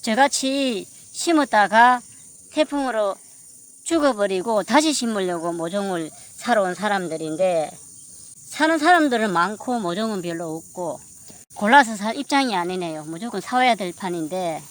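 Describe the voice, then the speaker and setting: A woman's voice: mid-range voice, animated, moderate pace. A woman, narrating her own farm vlog in a plain, matter-of-fact way with a mild grumble. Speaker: home farmer vlogger. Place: outdoor vegetable field.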